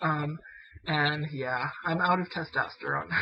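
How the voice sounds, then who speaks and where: Noticeable noise fills the background. A man's voice comes through it. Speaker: video blogger. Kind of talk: casual vlog monologue.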